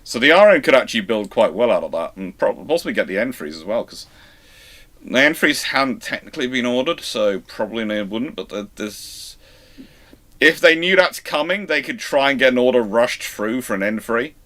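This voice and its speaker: British man hosting a live naval Q&A. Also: normal speed. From Britain. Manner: animated, teasing, swings to loud high emphasis. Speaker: host. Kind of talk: live Q&A chat.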